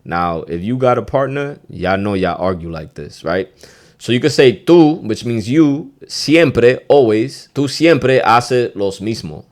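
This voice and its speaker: A man's voice: medium pitch, lively intonation, a little slow, a little mellow. A young man hosting a podcast, giving a loose, slangy Spanish lesson, swearing and dropping in Spanish phrases. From Dominican heritage. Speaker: podcast host.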